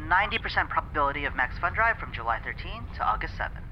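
Male actor as a rocket ship pilot, sci-fi radio communicator sound, dull lo-fi line under steady static, brisk status reports. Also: fairly high pitch. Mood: reporting. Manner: clipped, matter-of-fact status reports. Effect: sci-fi radio communicator, muffled and staticky. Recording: muffled lo-fi radio with static noise.

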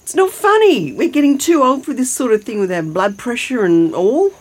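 A woman's voice: a little high, big pitch swings, moderate pace, darkish tone. An actress playing an elderly Aboriginal Australian grandmother in an audio drama, homely and colloquial, anxious but wise. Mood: worried, indignant. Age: older. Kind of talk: naturalistic audio drama dialogue and storytelling.

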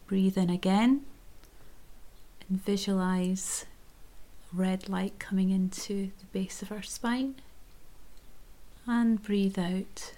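A woman guiding a chakra meditation in a soft, gentle whisper. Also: mid-range voice, little pitch movement, slow pace, pauses often. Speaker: meditation guide.

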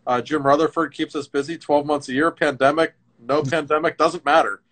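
A middle-aged man in a casual hockey chat, an animated storyteller with emphatic swings in his voice. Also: on the high side, brisk.

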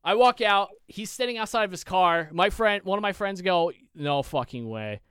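A young man co-hosting a podcast, telling a long story in a casual, animated, profane way with many restarts. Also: high voice, moderate pace, clear, resonant tone, no room sound, studio quality. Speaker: podcast co-host.

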